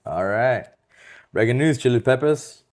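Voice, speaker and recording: A man with a hoarse, worn voice, chatting loosely and profanely on a podcast and dropping in Spanish phrases. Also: mid-range voice, animated, unhurried. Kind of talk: casual podcast chat.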